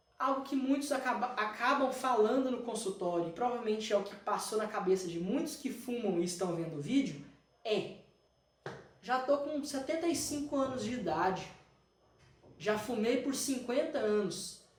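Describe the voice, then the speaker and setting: Clear background noise sits under speech that moves at a middling speed. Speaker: doctor specializing in elderly care. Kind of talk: educational talk. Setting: recorded video. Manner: explanatory.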